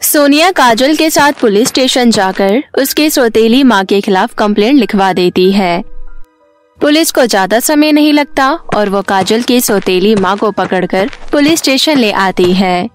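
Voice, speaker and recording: A woman's voice: a little high, animated, a little slow, soft background music. A woman narrating a children's bedtime fairytale from a script, as the storyteller.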